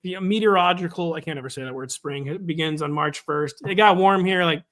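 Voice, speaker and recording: A man co-hosting a casual sports chat, wry and joking, talking quickly and loosely. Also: on the high side, fairly bright tone. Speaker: podcast co-host. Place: home in the Midwest.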